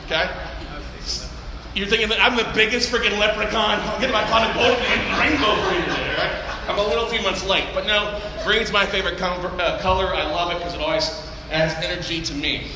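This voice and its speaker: A man from Texas giving a live seminar talk, loud and joking, swearing casually. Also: high voice, steady tone, fairly quick. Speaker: seminar speaker. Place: large conference hall. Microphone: handheld or stage mic through PA. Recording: echoey hall, noisy room.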